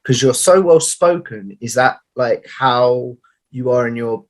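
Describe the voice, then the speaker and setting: A man's voice: mid-range voice, measured pace. A young man hosting a podcast, asking questions in a chatty, friendly way with "like" fillers, speaking through a headset on a video call. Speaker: podcast host. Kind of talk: casual interview chat. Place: home room.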